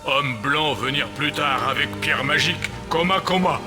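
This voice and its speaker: An actor playing a hungry cannibal tribal chief who speaks in broken pidgin phrases and growls between words, for a game cutscene dub. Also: male voice, fairly high pitch, over music, lightly acted. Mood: solemn. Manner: broken pidgin speech, growls, slow deliberate delivery.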